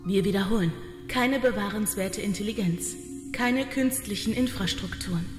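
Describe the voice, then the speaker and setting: Woman playing female robot scout in sci-fi audio drama, highish, clipped formal reports, lots of echo. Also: close to an everyday voice. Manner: formal, matter-of-fact, clipped military-style reporting. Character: female-voiced reporting scout unit of a machine swarm. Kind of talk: science fiction radio play acting. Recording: echoey reverb over loud music.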